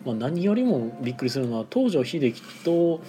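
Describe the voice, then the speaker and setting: Very deep-voiced woman reacting in chat. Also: very animated, moderate pace, mellow, soft background music. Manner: frequent reactive backchannels. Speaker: show co-host. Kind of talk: casual chat. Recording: live stream with crowd noise.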